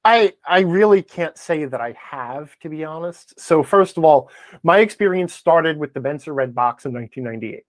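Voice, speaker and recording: A man's voice: a little high, animated, normal speed, dry recording. A middle-aged man talking opinionatedly and conversationally as a podcast guest, emphatic and given to sarcastic asides. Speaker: podcast guest, tabletop gaming blogger.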